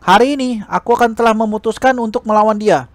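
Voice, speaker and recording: A man's voice: sits high, fast talker, no echo, pitched above the performer's own voice, close to an everyday voice. A man voicing a haughty, hot-tempered young noblewoman in an audiobook, indignant and insistent as she exclaims. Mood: stubborn, defiant.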